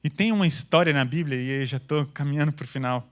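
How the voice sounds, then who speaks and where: A male pastor preaching in a church with a high, bright-edged voice. He talks intensely and loudly, dropping casual slang into his sermon. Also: quick pace.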